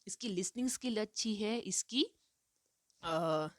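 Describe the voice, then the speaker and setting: A woman's voice: medium pitch, animated, slow pace, no room sound, studio quality. A woman teacher lecturing on reading skills, explaining step by step and asking herself rhetorical questions as she goes. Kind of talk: Hindi lecture mixed with English terms.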